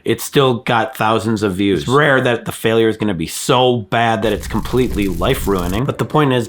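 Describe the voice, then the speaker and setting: Man getting over a cold, frank vlog. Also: on the low side. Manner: self-deprecating, frank, joking asides. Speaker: YouTuber. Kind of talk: casual motivational vlog.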